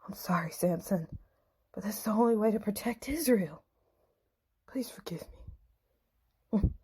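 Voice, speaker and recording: A woman voicing a reluctant, apologetic tribal leader, hushed and regretful, in a Bible storybook dramatization. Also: medium pitch, expressive, a little slow, slight background noise, close to an everyday voice.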